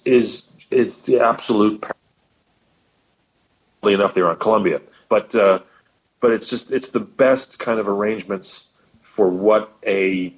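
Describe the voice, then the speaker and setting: Low-voiced man, gushing, muffled audio. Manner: enthusiastic, gushing with repeated words. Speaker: guest co-host. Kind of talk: casual podcast conversation.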